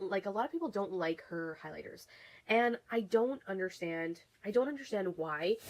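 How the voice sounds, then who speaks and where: A woman's voice: on the low side, rough recording. A woman vlogger chatting casually through makeup reviews, full of fillers and restarts, while getting over a cold. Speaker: beauty vlogger.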